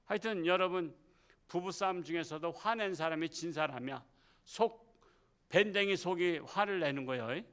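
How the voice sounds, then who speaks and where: A middle-aged male pastor preaches a Wednesday service in a church, his voice pitched high and sounding bright. He talks with the congregation in a loose, conversational way, firing rhetorical questions and acting out the speech he quotes. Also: moderate pace, smooth. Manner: acts out quoted speech in the sermon. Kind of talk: Wednesday evening sermon. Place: church sanctuary.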